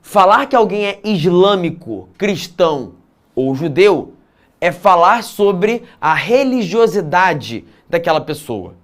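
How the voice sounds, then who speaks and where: A man teaching an exam-prep geography lesson, mixing clear explanation with casual asides and frequent tag questions. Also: sits high, big pitch swings, takes it slowly.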